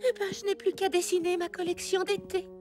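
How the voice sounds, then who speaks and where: An elegant cartoon fashion designer, speaks very high. Her manner is affected and theatrical, like a refined shopkeeper presenting her creations. Music plays underneath. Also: flat delivery, a little fast. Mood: dismayed. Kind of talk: French children's cartoon dubbing.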